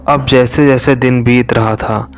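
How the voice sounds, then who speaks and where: A man slowly telling a true horror story, his voice sinking to a whisper at tense moments. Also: mid-range voice, steady tone. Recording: faint music behind.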